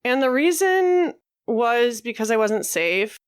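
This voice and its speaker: A woman co-hosting a podcast, talking frankly in a halting way with many fillers. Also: a little high, very animated, smooth. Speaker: podcast co-host. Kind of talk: candid conversational podcast talk.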